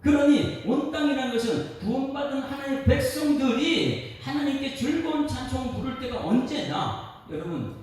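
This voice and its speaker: Male pastor, dawn service sermon, lively pitch, slightly high, acts out quoted voices; echoey hall, mic far off.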